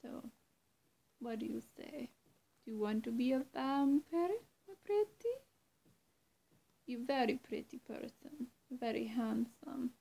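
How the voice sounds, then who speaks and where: Young woman, vampire roleplay, slightly high voice, creaky, halting, coaxing and menacing, whispery dips. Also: lively intonation, warm tone, poor audio. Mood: coaxing, secretive. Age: young adult. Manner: slow, halting, often dropping to a whisper. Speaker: roleplay performer. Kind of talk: in-character vampire roleplay to the listener. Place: small room indoors.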